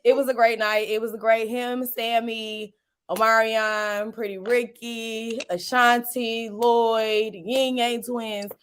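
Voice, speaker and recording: Slightly hoarse American woman chatting away. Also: fairly high pitch, slow, slight background noise. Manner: animated, slangy storytelling. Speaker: talk show co-host. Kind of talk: lively casual chat.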